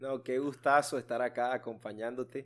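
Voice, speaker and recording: Over a silent background in a very clean recording, a man talks at a moderate pace in a medium pitch with monotone, flat intonation. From Colombia, Riohacha (Caribbean coast). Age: 20s. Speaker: pastor. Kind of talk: interview podcast.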